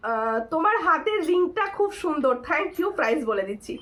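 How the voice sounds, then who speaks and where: A hoarse woman runs a live-stream jewelry sale in a high, lively voice. She talks chattily and repeats her pitch over and over, thanking viewers by name and urging them to take screenshots. Her delivery swings up and down as she shows each piece. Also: a little fast.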